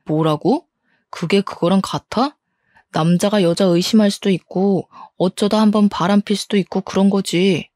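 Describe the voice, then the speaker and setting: For an audio story dramatization, a woman with a natural, medium-pitched, slightly mellow voice at normal speed plays an angry, defensive cheating husband in his thirties. He blusters, scoffs, and shifts the blame; the studio sound is clean with no echo.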